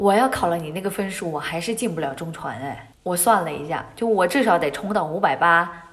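Amid noticeable background noise and audible room echo, a woman with a fairly low pitch and ordinary pitch variation speaks at a fairly quick pace. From southern Fujian. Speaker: broadcasting student. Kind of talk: casual chat.

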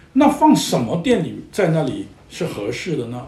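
Recorded with audible room echo and noticeable background noise, a man talks at a high pitch. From Hong Kong. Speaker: independent bookstore owner. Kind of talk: casual interview conversation. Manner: halting, many fillers.

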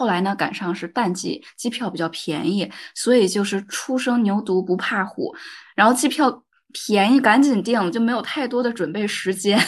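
A woman speaks in a plain, everyday voice at a fairly high pitch. Her pitch varies in an ordinary way against a quiet background. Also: moderate pace. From China. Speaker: immigrant guest. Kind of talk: casual chat.

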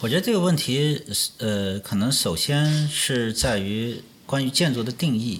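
The man's intonation is lively and his pitch is medium. He speaks at a fairly slow pace. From China, Nanjing. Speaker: architecture professor. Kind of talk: interview conversation. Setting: recorded in a historic house. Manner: hesitant, many fillers.

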